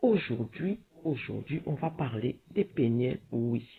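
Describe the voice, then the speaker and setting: A fairly slow pace in a Congolese accent. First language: Lingala (speaking French). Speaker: YouTuber commenting on social media news. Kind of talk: casual vlog commentary. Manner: hesitant, many fillers.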